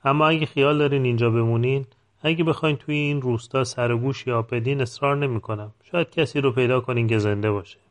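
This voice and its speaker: A man's voice: medium pitch, close to an everyday voice. A man voicing a polite, plain-spoken rural donkey driver in an audiobook reading.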